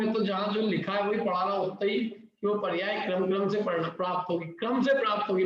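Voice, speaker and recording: Here a middle-aged man with a fairly high, slightly bright voice leads an interactive Jain scripture class. He goes step by step and quizzes his students, captured in a very echoey, dull lo-fi room recording.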